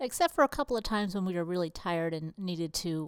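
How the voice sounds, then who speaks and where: A woman's fairly low-pitched voice, an ordinary speaking voice, at a fairly quick pace with lively intonation, on a very clean recording with a silent background. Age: 40s. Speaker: fitness trainer and podcast host. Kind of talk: casual solo podcast talk.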